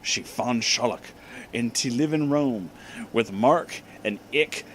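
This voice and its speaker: A man giving a comic dramatic reading, deliberately enunciating garbled words and dropping in casual asides. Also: medium pitch, fairly bright tone, slight background noise. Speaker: reader and commentator of bad fan fiction.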